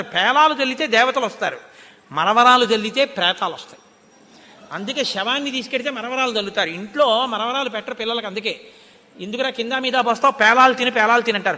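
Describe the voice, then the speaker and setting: An older man with a Telugu accent giving a devotional discourse, telling a sacred story and chanting Sanskrit verses slowly. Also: very high voice, sharp tone. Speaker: religious discourse speaker. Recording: long hall reverb.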